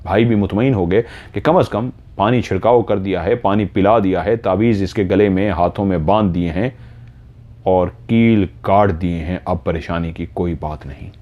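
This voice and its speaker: A man narrating a horror story dramatically, rising in pitch and loudness at tense moments, on a dull lo-fi recording. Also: moderate pace.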